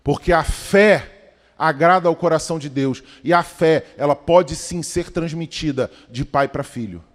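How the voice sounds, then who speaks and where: A man pastor delivering a sermon, emphatic and rhythmic, with sudden swells and soft low drops. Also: unhurried. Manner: emphatic preaching with rising calls and quiet drops. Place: church sanctuary. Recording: long church reverb.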